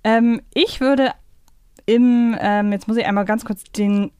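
A woman's voice: fairly high pitch, steady tone, slow pace, warm tone, clear, resonant tone, no room sound. Woman, close dry podcast sound. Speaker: podcast co-host. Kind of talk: casual podcast discussion.

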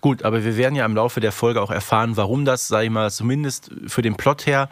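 A man's voice: medium pitch, fairly even intonation, fast talker, dry recording. A man co-hosting a podcast, recapping a story in an analytical, conversational way with frequent rhetorical tag questions. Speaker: podcast co-host.

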